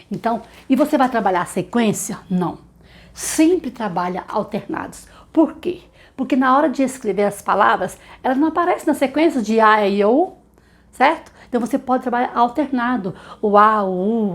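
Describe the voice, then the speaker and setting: A woman teaching a literacy lesson for teachers, often acting out phonics questions to children in an animated voice. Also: medium pitch.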